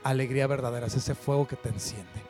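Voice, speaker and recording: A man's voice: medium pitch, fast talker, a little mellow, soft background music. A man hosting a Catholic talk show, speaking earnestly and preaching fervently to his viewers. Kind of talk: earnest spoken commentary.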